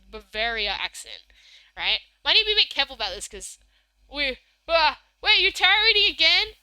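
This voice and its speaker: A woman's voice: sits high, bright, forceful tone, smooth, no echo, low-quality recording. A young Australian woman streaming live, chatting casually and reading messages from chat in a bubbly, giggly, rambling way.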